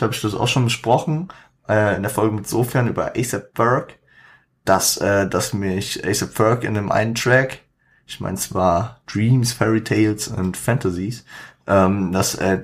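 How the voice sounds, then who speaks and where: A man hosts a podcast with a slightly low voice, in casual commentary. He talks haltingly, with fillers and self-corrections, and mixes in English slang. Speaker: podcast host.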